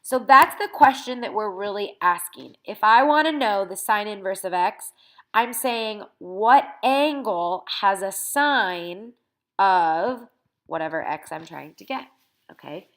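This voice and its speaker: A woman teacher with a mid-pitched voice, a little congested and sniffly, talking through a math lesson into a computer mic. She explains patiently and keeps checking in with her students as she works through the notes. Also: animated, measured pace, fairly bright tone. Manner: patient, explanatory, frequent "okay?" check-ins. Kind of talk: recorded math lesson over scanned notes.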